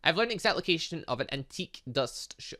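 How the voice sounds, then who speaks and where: A man's voice: a little high, big pitch swings, quick pace, pushed and bright. A man voicing a prim, haughty teenage girl from a visual novel, speaking formally with clipped indignation. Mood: composed.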